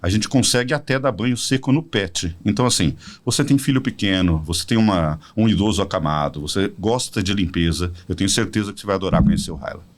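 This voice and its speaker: A man in his forties from São Paulo, a podcast guest telling a personal story as a smooth sales pitch. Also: quick pace, hardly any pauses. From São Paulo state, Brazil. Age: 40s. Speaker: podcast guest, product representative. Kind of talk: casual promotional chat.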